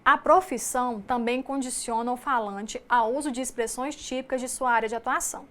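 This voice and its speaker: A woman's voice: on the high side, a bit bright. Mineiro-accented woman giving a lecture. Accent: Mineiro Brazilian Portuguese. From Minas Gerais, Brazil. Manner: measured, explanatory, reads lists item by item. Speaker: teacher. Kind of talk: recorded distance-learning lecture.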